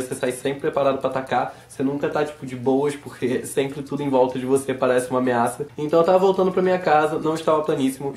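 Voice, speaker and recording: Guy w rio accent vlogging super fast, bit hoarse, echoey room. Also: mid-range voice, darkish tone. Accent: Rio de Janeiro Brazilian. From Brazil. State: hoarse from sore throat. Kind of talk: casual monologue to camera.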